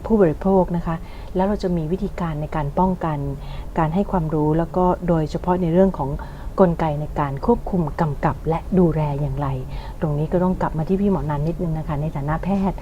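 A woman hosting a panel discussion, long-winded and pausing to search for words. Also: on the low side, steady tone, warm tone. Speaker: talk show host. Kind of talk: studio panel discussion, interviewing guests. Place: television studio. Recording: muffled sound with clear background noise.

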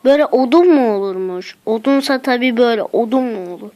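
A woman's voice: a little high, animated, fast talker, dark tone. A woman giving let's play commentary as she explores a game map, exclaiming, muttering to herself and using slang. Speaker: gaming channel host.

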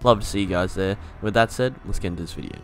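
A young gaming YouTuber with a low voice talks quickly through his gameplay, laid-back and thinking aloud, with the occasional swear. Faint music plays behind him.

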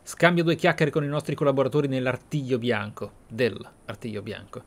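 A man giving dramatic game commentary as a streamer, theatrical and deliberate, with drawn-out phrases. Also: mid-range voice, steady tone. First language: Italian. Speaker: gaming streamer. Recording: faint game ambience behind. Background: video game sounds.

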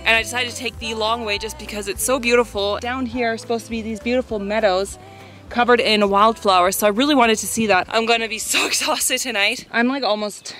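A woman's voice: fairly high pitch, steady tone, fairly quick, fairly bright tone, faint music behind. A young woman, out of breath, chatting candidly to the camera while hiking a mountain trail, on a lapel mic outdoors. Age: young adult. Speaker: vlogger. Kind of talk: casual hiking vlog.

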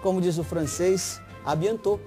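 A man's voice: high-pitched, moderate pace, warm tone, faint music behind. A middle-aged man explaining wines as a guest sommelier on a TV studio set, emphatic and salesy, on a lapel mic. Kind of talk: TV wine talk and promotion.

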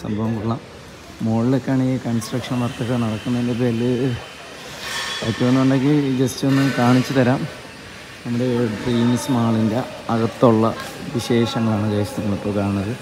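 A man's voice: mid-range voice, little pitch movement, normal speed, long pauses. A man walking through an empty building while filming, talking with eager enthusiasm and repeating stock words of praise. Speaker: vlogger. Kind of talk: walking tour vlog. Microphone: phone camera held while walking. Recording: phone recording with clear street noise.

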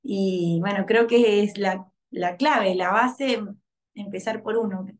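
Thirties woman, soft and hesitant, video-call laptop mic at home. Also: mid-range voice, takes it slowly. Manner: soft, hesitant, many fillers and restarts. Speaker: workshop participant, mother. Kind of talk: reflective testimonial over video call. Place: home living room.

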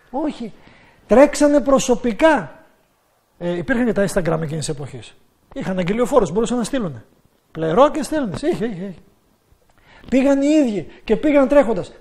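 A man preaching a sermon in an emphatic way, rising to loud exclamations. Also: very high-pitched, gravelly.

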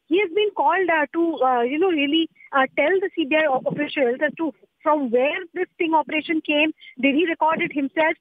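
An Indian-accented woman correspondent gives an unscripted live report in a high voice. She explains emphatically, repeating phrases, over a dry, band-limited phone line. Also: a little fast, hardly any pauses, no echo. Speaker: news correspondent. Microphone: telephone. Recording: muffled narrow phone line.

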